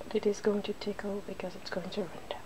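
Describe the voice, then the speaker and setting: A woman's voice: mid-range voice, little pitch movement, fast talker, background noise. A woman hosting a casual ASMR makeup demonstration, chatty and giggly, drifting into whispers. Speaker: ASMR video host.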